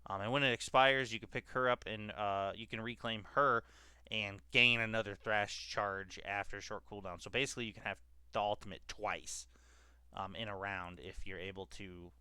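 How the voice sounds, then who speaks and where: A man's voice: low voice, pushed and bright, clear, resonant tone, dry recording. A young man with a stuffed-up cold, chatting casually about a game and reading out ability text with lots of fillers. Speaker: gaming YouTuber and esports journalist. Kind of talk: casual gaming commentary to camera.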